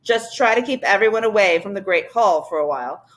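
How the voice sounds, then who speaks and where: A woman's voice: medium pitch, expressive, fairly quick, natural voice. Woman reading a weary, clipped professor. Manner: patient, clipped, exasperated. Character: weary, busy male professor.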